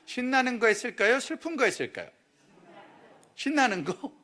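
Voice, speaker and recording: A middle-aged male pastor preaching a lively, humorous sermon in a church, teasing and questioning the crowd. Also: extremely high pitch, normal speed. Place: church sanctuary.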